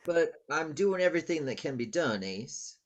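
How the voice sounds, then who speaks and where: A man's voice: on the high side, lively intonation, normal speed, close to an everyday voice. A man reading the part of a kindly, plain-spoken family doctor in a screenplay table read. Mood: calm, reassuring.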